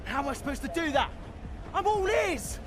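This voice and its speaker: Frustrated racing driver in a game, yelling really high, combative, noisy crowd behind. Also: male voice, very animated, moderate pace. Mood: angry, exasperated. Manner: shouting, pleading, combative. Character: frustrated, hot-headed racing driver confronting his teammate. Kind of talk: heated game cutscene dialogue. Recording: crowd and outdoor noise behind.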